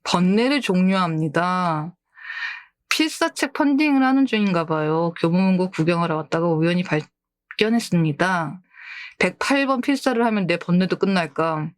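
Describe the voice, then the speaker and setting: A woman's voice: lowish voice, lively intonation, normal speed, no echo. Polite, giggly woman streamer, dry close sound. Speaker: book-themed VTuber streamer. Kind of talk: casual livestream chat, reading viewer posts.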